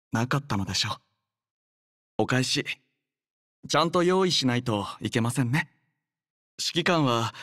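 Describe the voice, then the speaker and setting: A man voicing an earnest, devoted young male soldier in a game, speaking politely, softly and sincerely in a measured way. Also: mid-range voice, dry recording, studio quality, close to an everyday voice. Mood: reflective, subdued, then tender, sincere. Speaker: voice actor. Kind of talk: acted game character voice lines.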